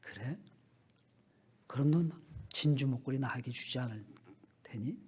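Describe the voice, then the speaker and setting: A man voicing a loving father speaking softly to his daughter at bedtime. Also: medium pitch, unhurried, slightly rough. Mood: tender.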